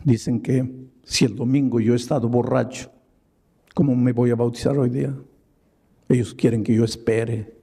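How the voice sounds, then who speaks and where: A man's voice: medium pitch, fairly even intonation, moderate pace, gravelly, long pauses, warm tone, husky. A man preaching a sermon, voicing a grieving man's tearful confession. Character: grieving middle-aged man confessing his past.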